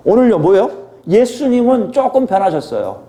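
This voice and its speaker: Animated high-pitched male pastor preaching. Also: moderate pace. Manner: animated, acts out quoted scolding with sudden loud jumps; rhetorical questions to the congregation. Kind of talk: expository sermon.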